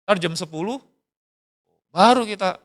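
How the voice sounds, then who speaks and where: A man's voice: high-pitched, a little slow. A middle-aged man, preaching a casual, slangy youth sermon and acting out quoted voices. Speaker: youth pastor.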